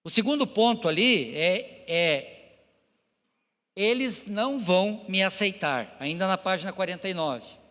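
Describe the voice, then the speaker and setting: Middle-aged male pastor, high voice, emotional halting testimony sermon, long hall reverb. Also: expressive, sharp tone. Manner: emotional, halting, addresses the congregation directly. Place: church hall.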